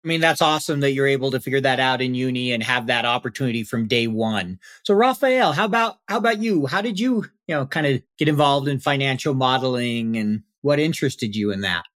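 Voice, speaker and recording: A man's voice: medium pitch, lively intonation, fairly quick, few pauses, a bit bright, dry recording, clean studio sound. A man hosting a live panel discussion, asking guests friendly questions in an upbeat way. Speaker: podcast host.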